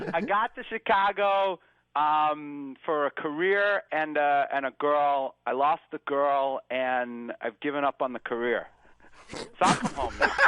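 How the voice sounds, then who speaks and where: Against a quiet background, a man in a Boston accent speaks at a fairly slow pace with a fairly high pitch, a bright, sharp tone and lively intonation. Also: dry, close sound with no echo. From Massachusetts, East Arlington. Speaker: caller. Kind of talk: casual chat. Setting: phone call.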